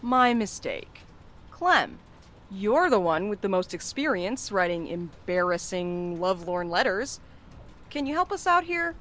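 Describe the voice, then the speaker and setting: A woman's voice: mid-range voice, big pitch swings, measured pace, fairly bright tone. A woman playing an irreverent young courier in an audio drama, with a wry, teasing, casual manner. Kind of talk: naturalistic audio drama acting.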